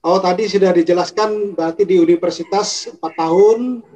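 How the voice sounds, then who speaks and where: A man's voice: high-pitched, brisk, warm tone. A man hosting an interview, phrasing his questions politely and with some hesitation. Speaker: interviewer, channel host. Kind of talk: unhurried interview. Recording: dull, lo-fi audio.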